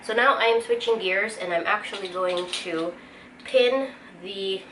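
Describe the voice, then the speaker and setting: Woman rambling casually over steady background noise. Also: medium pitch, unhurried. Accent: Filipino. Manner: rambling, thinks aloud while sorting stock. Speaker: artist vlogger. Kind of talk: casual chat while working. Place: home art studio. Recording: noisy room ambience.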